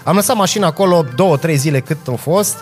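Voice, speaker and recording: A man's voice: a little high, faint music behind. A man, chatting casually and telling stories with acted-out exchanges. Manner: animated storyteller, acts out quoted exchanges with laughs. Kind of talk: casual chat, storytelling.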